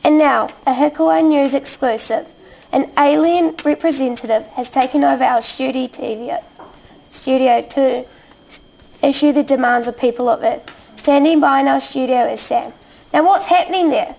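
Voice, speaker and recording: A woman's voice: sits high, normal speed, gravelly, a little mellow. A woman playing a news anchor, interrupting with urgent bulletins. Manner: urgent newsreader delivery.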